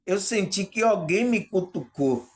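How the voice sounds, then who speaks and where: A man's voice: high voice, animated, measured pace. A man talking casually and earnestly to his viewers about spiritual perception, often checking in with "you know?" and laughing. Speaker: spiritual video host.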